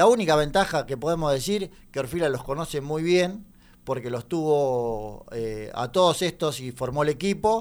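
An ordinary speaking voice from a man with a fairly high pitch, lively intonation and a moderate pace, in a very clean recording with a silent background. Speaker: radio host. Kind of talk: radio sports talk.

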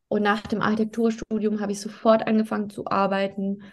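A dark, mellow tone in a woman's fairly high-pitched voice. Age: 30s. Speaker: architect. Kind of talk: interview answers.

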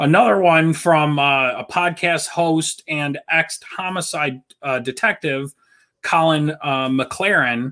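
Speaking at a very slow pace, a man with a fairly high pitch and ordinary pitch variation is heard on a very clean recording with a silent background. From upstate New York. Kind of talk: casual banter podcast.

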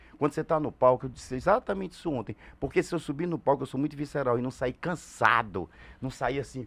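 Speaking very fast, a man with a medium pitch uses lively intonation and vocal fry. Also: big swings in loudness. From Ceará, Brazil (Russas). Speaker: comedian. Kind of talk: casual interview.

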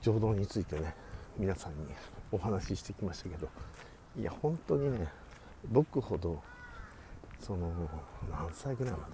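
Against noticeable background noise, a man with a very deep, low pitch speaks at a moderate pace with long, frequent pauses. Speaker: qigong healer. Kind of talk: casual monologue. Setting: outdoors in a park. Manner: halting.

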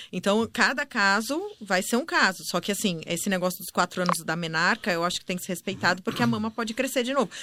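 Over a silent background on a very clean recording, a woman speaks very fast at a medium pitch with lively intonation. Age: 40s. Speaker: plastic surgeon. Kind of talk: interview.

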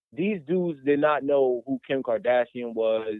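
A man with a plain, everyday voice, lively intonation and a moderate pace. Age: 20s. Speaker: creative producer. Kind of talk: casual interview. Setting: phone call.

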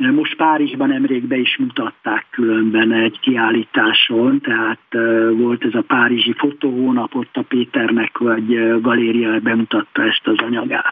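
A man speaks fairly slowly at very even loudness, with noticeable background noise. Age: 60s. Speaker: photojournalist. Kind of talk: interview.

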